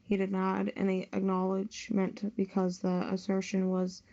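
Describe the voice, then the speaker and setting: A woman's voice: medium pitch, completely flat delivery, normal speed, vocal fry, dark tone, lo-fi sound. A woman reading written news stories aloud on a podcast. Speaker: news story reader.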